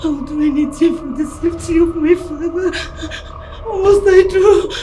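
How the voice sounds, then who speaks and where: A woman's voice: very high voice, normal speed, dark tone, faint music behind. An actress playing a terrified young woman who begs for her father's life. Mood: pleading. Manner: pleading, frantic. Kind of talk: film drama acting.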